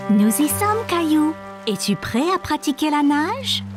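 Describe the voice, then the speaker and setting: An actress voicing a patient, encouraging mother in a cartoon, speaking softly and unhurried. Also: sits high, big pitch swings, music in the background. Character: warm, patient mother of a small boy.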